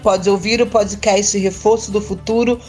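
A woman teacher, explaining a grammar lesson clearly and slowly on a scripted educational podcast. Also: mid-range voice, fairly even intonation, darkish tone, faint music behind. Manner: slow, clear, didactic.

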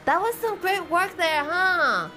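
A woman's voice: very high voice, sing-song, slow, over music. A woman improvising as a player in a fantasy role-playing podcast. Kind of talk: improvised game play.

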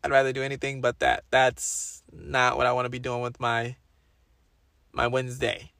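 A young man with a slightly raspy voice, chatting casually and rambling through a solo podcast in slangy talk, repeating phrases for emphasis. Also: medium pitch, monotone, normal speed, bright, forceful tone, dry recording, clean studio sound. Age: young adult. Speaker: podcast host.

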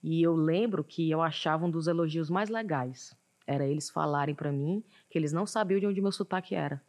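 A woman's voice: low-pitched, brisk. Reflective woman. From Northeast Brazil. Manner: reflective, animated storytelling with acted quotes. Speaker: interview guest. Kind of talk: casual interview talk.

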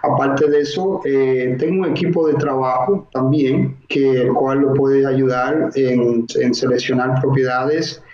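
A man from the Dominican Republic, a mortgage broker and investor, explaining slowly in an interview with many filler sounds. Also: medium pitch, steady tone, a little mellow. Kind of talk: interview answers. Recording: roomy, dull lo-fi sound.

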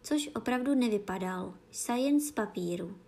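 A woman narrating a classic children's story, reading aloud calmly and expressively. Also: mid-range voice, vocal fry.

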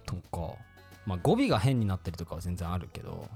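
A young man from northern Japan chatting on a podcast, fast and rambling, often breaking into laughs. His low voice swings widely in pitch, with faint music behind him. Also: very animated, mellow. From Hokkaido, Japan. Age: young adult. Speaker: podcast co-host. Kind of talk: casual chat.

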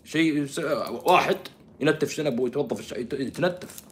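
A man runs a sarcastic live stream, talking at a rapid clip in a somewhat high voice. He mocks his subject, jumping from loud outbursts to quiet, muttered asides. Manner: sarcastic, mocking, swings between loud outbursts and soft mutters. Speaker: commentator streaming to viewers. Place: living in Canada.

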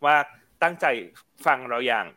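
A man's voice: on the high side, moderate pace, pushed and bright. A man hosting a live stock market talk show, chatty and upbeat, often asking viewers to write in.

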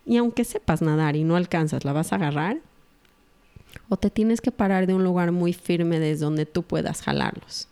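Earnest mother, mellow voice. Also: fairly low pitch, clear, resonant tone. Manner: earnest, acts out quoted dialogue. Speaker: mother sharing parenting advice. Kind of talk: reflective talk to an audience.

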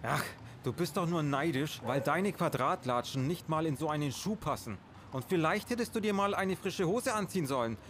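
Higher-voiced man in casual comic dialogue. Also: expressive, normal speed, a bit bright, a little hiss or hum. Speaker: podcast host acting as himself.

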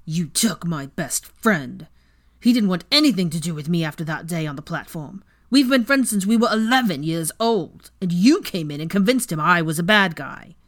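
A woman's voice: fairly low pitch, lively intonation, normal speed, natural voice. A woman reading a story aloud, voicing a bitter, hateful man who spits out his accusations in an angry snarl. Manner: angry, spitting, vehement.

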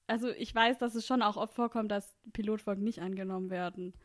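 A woman's voice: mid-range voice, steady tone, fairly quick. Chatty woman podcast co-host. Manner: chatty, laughs often, many fillers. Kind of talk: casual chat about a TV series.

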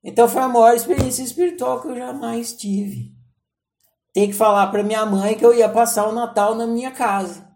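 Animated man telling a story. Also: extremely high pitch, normal speed. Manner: animated, acts out inner dialogue, frequent fillers. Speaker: spiritual teacher. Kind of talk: storytelling talk.

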